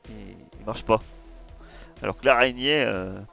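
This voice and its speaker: A man acting as game master, narrating a tabletop horror game in slow, searching, descriptive scene-setting. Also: on the low side, vocal fry, a bit bright, faint music behind.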